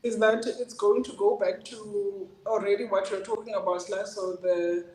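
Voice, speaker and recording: A man's voice: sits high, steady tone, moderate pace, a little mellow. A man co-hosting a casual podcast discussion, chatty and agreeing with the others. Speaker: podcast co-host. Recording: echoey room, faint noise.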